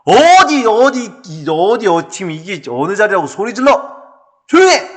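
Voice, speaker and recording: An angry crowd bellows rough orders to shut up, as a man puts on the voice. The voice is pushed up high and sharp, harsh and scolding. Each line is flung out as a loud rebuke. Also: big pitch swings, unhurried, in a large hall, heavily acted.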